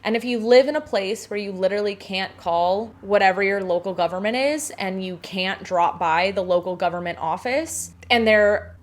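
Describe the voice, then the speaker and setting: A woman in her thirties from Southern California with a Southern Californian accent, answering viewer questions in a casual, self-deprecating vlog full of "like". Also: medium pitch. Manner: chatty, self-deprecating, filler-heavy with frequent "like". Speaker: home baker and vlogger.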